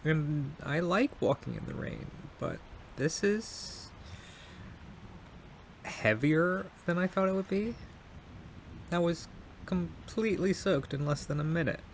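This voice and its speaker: A man's voice: fairly high pitch, animated, slow, gravelly, pauses often, slight background noise, exaggerated voice. A man playing a shy, polite and kind young male neighbor in an intimate ASMR roleplay, speaking hesitantly and apologetically, with stammers. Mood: sheepish, chatty.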